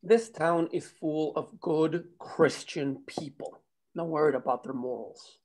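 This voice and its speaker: A man playing an unbothered small-town mayor in a script table read, casual, evasive and deadpan. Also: fairly high pitch, measured pace. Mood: dry.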